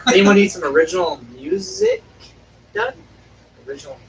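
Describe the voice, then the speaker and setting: Animated male host, slightly high voice, off-mic with faint hiss. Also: moderate pace, vocal fry. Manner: chatty, thanks viewers by name. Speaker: live-stream host. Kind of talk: casual chat. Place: workshop. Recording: distant mic with faint background noise.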